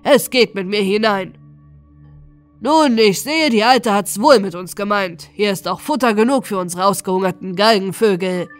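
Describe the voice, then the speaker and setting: A woman voicing a boisterous, commanding male robber captain in a storybook reading, hearty and loud. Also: mid-range voice, moderate pace, soft background music, natural voice. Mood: jovial, commanding. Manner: loud, jovial, commanding exclamations. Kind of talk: storybook character voice in an audiobook.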